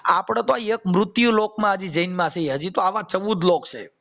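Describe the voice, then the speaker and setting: A Kathiyawadi Gujarati-accented man who runs a devotional YouTube channel preaches informally on a phone call, weaving in quoted verses and repeated phrases. His voice sits high, creaky and a bit bright, at a moderate pace.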